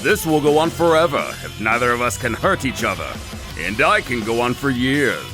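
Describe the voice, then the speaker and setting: An actor playing a proud, self-assured cartoon fighter, theatrical and declamatory. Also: male voice, mid-range voice, expressive, moderate pace, lightly acted. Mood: calculating, confident. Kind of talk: cartoon voice acting. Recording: music under the voice. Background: music.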